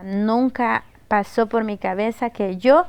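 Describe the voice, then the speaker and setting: A Salvadoran woman in her thirties recounting her experience in an interview, measured with some halting repeats. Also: on the high side, heavy background noise.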